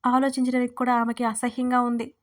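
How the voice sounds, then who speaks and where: A woman hosting and narrating a serialized audio story in a steady reading voice. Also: fairly high pitch, fast talker.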